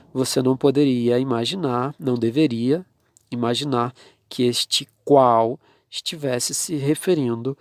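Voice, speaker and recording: A man teaching a grammar lesson, speaking deliberately and repeating the key terms for his students. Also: mid-range voice, a little mellow, dry recording, studio quality.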